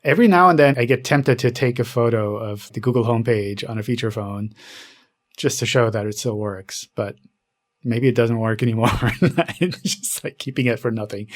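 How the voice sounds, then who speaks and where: A man's voice: mid-range voice, moderate pace. A man on a podcast in casual banter, playful and often asking questions. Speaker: podcast guest or co-host.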